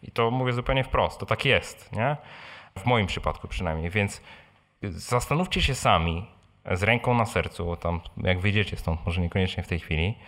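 A man's voice: low-pitched, moderate pace, a bit bright. A man hosting a live question-and-answer session, talking in a colloquial, direct and informal way. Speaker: host and blogger answering audience questions. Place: live meeting in front of an audience.

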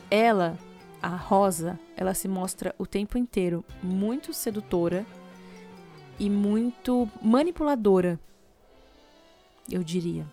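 A woman's voice: medium pitch, a little mellow. Chatty woman recapping a story. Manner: chatty, conversational, frequent asides to viewers. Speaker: video host recapping a film. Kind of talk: casual plot recap.

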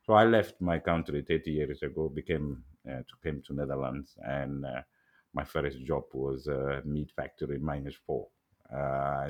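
Very deep-voiced Somali-accented man. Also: darkish tone. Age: middle-aged. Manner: halting, many fillers and restarts. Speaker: guest, agriculture executive. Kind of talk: casual interview talk.

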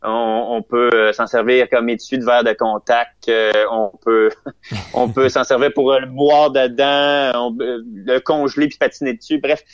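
A man's voice: medium pitch, steady tone, a little slow, dry recording. A young man with a Québécois French accent, a comedian chatting in an interview, rambling and self-amused with lots of fillers and restarts. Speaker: comedian guest. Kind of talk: casual interview chat. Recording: slightly dull lo-fi sound.

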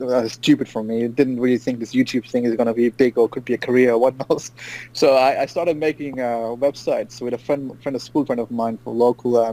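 A man's voice: mid-range voice, mellow, rough recording. A man in his thirties from Germany, a trading podcast guest who talks in an upbeat, rambling way and laughs often. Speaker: guest, trader. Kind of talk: casual interview.

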